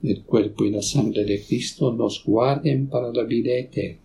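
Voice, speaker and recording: A man praying as a priest at Mass in a measured, reverent way, leading solemn Catholic liturgy. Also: medium pitch, fairly even intonation, creaky, warm tone, roomy sound, far from the mic.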